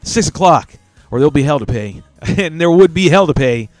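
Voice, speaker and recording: A man's voice: fairly high pitch, animated, normal speed, no room sound, soft background music. A man in his forties hosting a casual podcast, talking loosely with swearing and rambling asides. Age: 40s. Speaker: podcast host. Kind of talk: casual chat.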